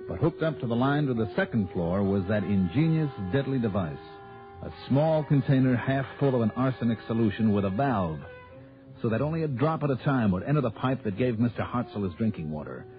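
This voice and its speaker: An actor as a wry hard-boiled investigator. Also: male voice, mid-range voice, expressive, lightly acted. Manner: brisk, wry, confident. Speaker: narrator and lead. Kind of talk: 1960s radio drama acting. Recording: tinny old radio with music.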